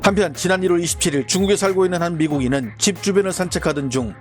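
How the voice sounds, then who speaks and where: A man's voice: sits high, faint music behind. A man narrating as a channel host in a formal, scripted news-commentary style. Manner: brisk, formal delivery.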